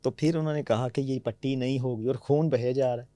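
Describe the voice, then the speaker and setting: Man telling stories in a mellow, close voice. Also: medium pitch, steady tone, dry recording. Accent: Punjabi-tinged Urdu. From Pakistan. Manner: anecdotal, frequently asks "theek hai?" to check understanding. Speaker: podcast guest. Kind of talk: conversational storytelling.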